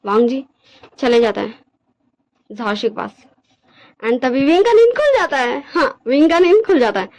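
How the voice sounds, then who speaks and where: A woman's voice: high-pitched, lively intonation, normal speed, pauses often, darkish tone. A woman casually narrating her own fan fiction story, chatty and checking in with her listeners.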